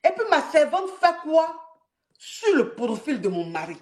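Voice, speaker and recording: A woman's voice: high voice, sing-song, unhurried. Woman voicing an angry betrayed wife. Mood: accusing. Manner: accusing, insistent. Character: angry betrayed wife confronting her husband.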